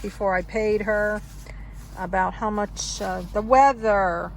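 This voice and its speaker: Older woman, wistful and reflective, slow-paced, rambling vlog talk, noisy car interior. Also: mid-range voice, steady tone, vocal fry. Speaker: vlogger. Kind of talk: casual reminiscing vlog, reading old letters aloud. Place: inside a parked car.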